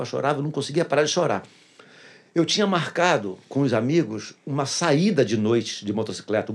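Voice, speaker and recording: Man, breathy voice, earnest testimony, repeats phrases for emphasis. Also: mid-range voice. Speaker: pastor. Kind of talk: personal testimony in a casual interview.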